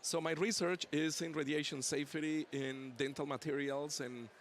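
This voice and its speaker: A man's voice: fairly high pitch, fairly even intonation, normal speed, slight background noise. A man, a pediatric dentist and professor, talks as an interview guest, joking playfully about his own pronunciation, recorded in a busy convention exhibit hall. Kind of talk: casual interview chat.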